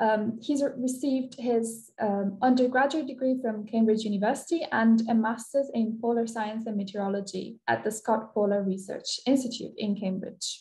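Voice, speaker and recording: Somewhat breathy, a woman talks at a moderate pace with fairly even intonation. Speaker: webinar moderator. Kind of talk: formal speaker introduction. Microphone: webcam.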